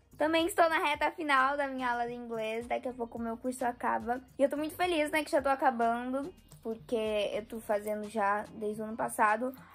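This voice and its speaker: Faint music plays behind a woman whose high voice moves at a moderate pace with ordinary pitch variation. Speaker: vlogger. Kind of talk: casual vlog chat. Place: home room. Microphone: phone near.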